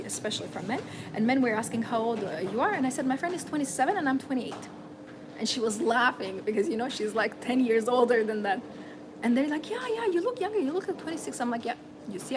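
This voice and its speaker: A woman with a slightly high voice gives a motivational seminar, speaking earnestly and repeating key points as she coaches. Her English has non-native phrasing. Noticeable background noise runs under the recording. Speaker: femininity and lifestyle coach.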